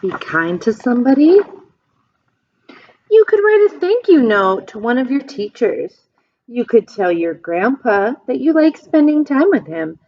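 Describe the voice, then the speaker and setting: A female teacher reads to young kids from a picture book at a measured pace, unhurried over easy phrases. Her intonation is expressive and lively as she addresses them. The sound quality is a little dull and lo-fi.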